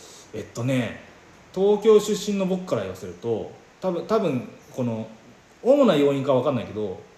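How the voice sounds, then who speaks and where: Amid audible room echo and noticeable background noise, the speaker moves at a moderate pace with very wide pitch swings and long, frequent pauses. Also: man, fairly high pitch for a man, big swings in loudness. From Tokyo (Shibuya). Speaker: live-stream creator and MC. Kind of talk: casual interview chat.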